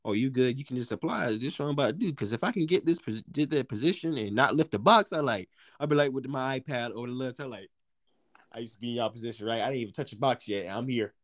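A young man with a deep voice rambles in a slangy, easygoing chat between friends, tripping over restarts and laughing quickly. He sounds close and dry, with next to no room around him and no echo.

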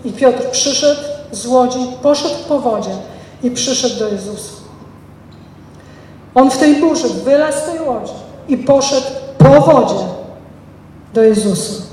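High-voiced woman preaching in an echoey hall. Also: a little slow, long pauses, a little hiss or hum. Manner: expressive preaching, reads scripture then dramatizes it; ends in prayer. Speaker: pastor. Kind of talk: sermon. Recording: reverberant hall from a distance, faint ambience.

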